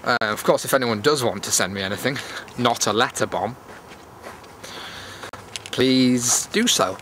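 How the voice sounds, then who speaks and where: British man, forceful bright tone, medium pitch, chatty and meandering, casual vlog host, outdoor recording with clear background noise. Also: unhurried. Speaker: YouTube vlogger and host. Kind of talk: rambling casual walk-and-talk vlog. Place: outdoors on a cold evening walk.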